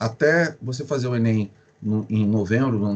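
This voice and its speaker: Pitch varies in an ordinary way in this somewhat breathy voice. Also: man. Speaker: Portuguese writing teacher. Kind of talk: online class. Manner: fast.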